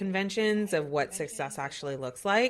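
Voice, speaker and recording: At a moderate pace, a woman with a Canadian accent talks in an animated tone with lively intonation. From Canada. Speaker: podcast host. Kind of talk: interview podcast.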